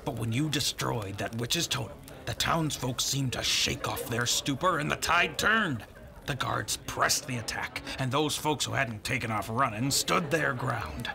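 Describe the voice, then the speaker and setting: An actor in an audio drama playing an old, boastful, honour-bound river errant who speaks in archaic, folksy heroic bluster. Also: male voice, medium pitch, measured pace, gravelly, crowd noise. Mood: dramatic storytelling. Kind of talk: audio drama acting and first-person storytelling. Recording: dramatic music behind the voice.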